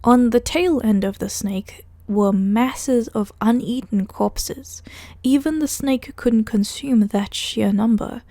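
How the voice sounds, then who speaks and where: Higher-voiced woman, mellow, wry video essay narrator. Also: dry recording. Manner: conversational, wry, sardonic asides. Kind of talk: casual narrated recap and commentary of a horror web series.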